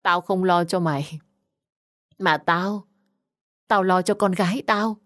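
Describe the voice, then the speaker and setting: A woman voicing a harsh, quick-tempered middle-aged mother who shouts insults in an audio story. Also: on the low side. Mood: furious.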